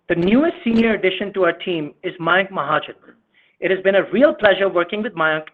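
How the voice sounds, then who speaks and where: A man, a company executive, formally reading scripted remarks as host of an earnings call. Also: sits high. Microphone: conference call phone line. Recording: tinny narrowband phone line.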